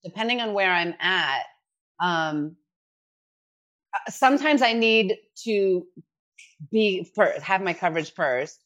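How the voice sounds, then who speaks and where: Animated woman chatting as a guest. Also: medium pitch. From New York City. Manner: animated, laughs often, quick restarts. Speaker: actor, podcast guest. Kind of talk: casual chat.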